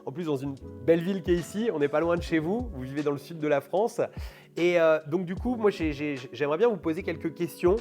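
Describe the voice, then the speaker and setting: A man hosts a casual interview, speaking in long, rambling turns packed with fillers and restarts. His voice is on the high side, a little mellow and slightly fast, with soft music playing behind him.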